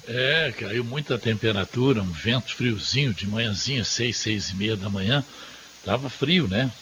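A man's voice: mid-range voice, normal speed, a bit bright, slight background noise. A Brazilian man in casual, conversational radio chat.

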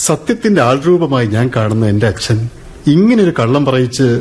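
An actor playing an earnest young student son who presses his parents for answers and speaks of his deep respect for his father, in a radio play. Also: big pitch swings, brisk, a little mellow, slightly rough. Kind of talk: radio drama acting. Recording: radio play with music bed.

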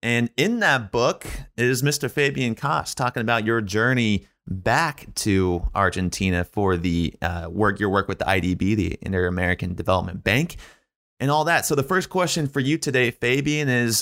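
A man hosting a podcast interview, introducing his guest with an energetic countdown and asking questions. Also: fairly low pitch, moderate pace. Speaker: podcast host.

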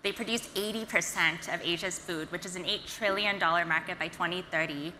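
A woman from Singapore, a founder giving an earnest, energetic conference talk. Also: fairly low pitch, brisk, a little hiss or hum. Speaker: startup founder and CEO. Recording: reverberant hall, faint ambience.

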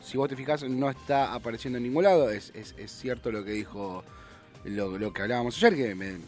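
A man's voice: mid-range voice, a little fast, darkish tone, soft background music. A man from Buenos Aires province with a Rioplatense accent, hosting a casual talk radio chat and arguing his points with many restarts. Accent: Rioplatense Spanish. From Buenos Aires province, Argentina. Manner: hesitant, restarts and fillers, argumentative. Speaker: radio host.

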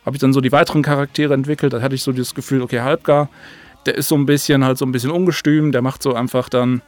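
Male podcast guest, medium pitch, casual and rambling, halting mid-thought. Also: little pitch movement. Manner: rambling, halting, circles back mid-sentence. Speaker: audio drama creator, interview guest.

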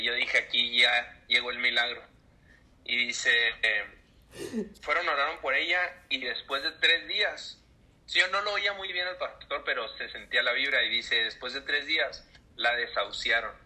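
A man's voice: mid-range voice, rough recording. A man in his twenties with a Mexican accent, a church musician telling stories in a casual interview and acting out the voices in them. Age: 20s. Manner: animated storyteller, acts out voices.

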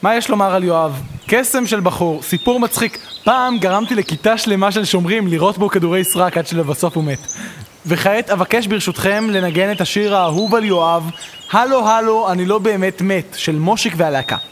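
A man's voice: sits high, slight background noise. A man hosting a comedy sketch show, delivering his lines in a theatrical, melodramatic way.

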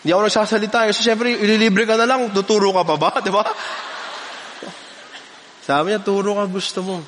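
Animated preacher in a reverberant hall. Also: male voice, sits high, a little fast, a little hiss or hum. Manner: animated storytelling with frequent laughs. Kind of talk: sermon.

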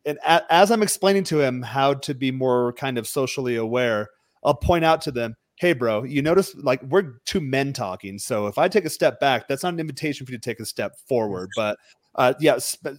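A man, a dating coach and podcast guest, explains his methods in a measured, lecturing way. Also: medium pitch, dry recording, clean studio sound. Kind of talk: podcast conversation.

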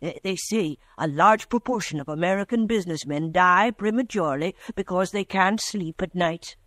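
Fussy little gentleman, high voice, hesitant, apologetic, chatty, dry close sound, old radio drama. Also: moderate pace, dry recording. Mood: eager, chatty. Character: fussy, excitable, mild-mannered little man, magazine customer. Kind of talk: 1940s radio drama acting.

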